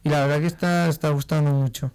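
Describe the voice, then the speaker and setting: A man from La Mancha, a chef, chatting in an interview in an animated way and laughing easily. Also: a little high, quick pace, clean tone, rough recording. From La Mancha, Spain. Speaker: chef, guest. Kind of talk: casual interview talk.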